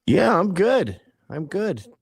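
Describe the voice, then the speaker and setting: A man's voice: sits high, sing-song, slow, creaky, husky, no room sound, clean studio sound. Profane joking man in his fifties. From Canada. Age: 50s. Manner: profane, rambling, joking storyteller. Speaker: podcast guest. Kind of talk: casual livestream chat.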